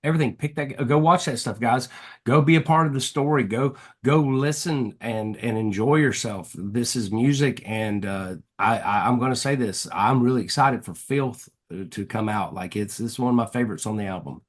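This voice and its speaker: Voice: mid-range voice, normal speed. A musician from the mountains of North Carolina with a thick Southern accent, chatting casually in an interview in a folksy, emphatic way that often repeats words. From mountains of North Carolina, USA. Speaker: touring musician being interviewed.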